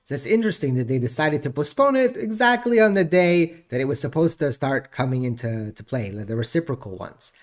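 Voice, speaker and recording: A man's voice: a little high, lively intonation, fairly quick, few pauses. A man hosting a casual crypto market video, chatty and rambling with jokes, sounding stuffed up. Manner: chatty, rambling, jokey with frequent laughs.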